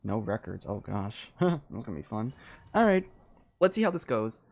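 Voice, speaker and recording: A game streamer with a medium-pitched voice talks casually through live gameplay. The delivery is hesitant, as thoughts are worked out aloud and sentences often trail off before they finish. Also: sing-song, normal speed, vocal fry, darkish tone.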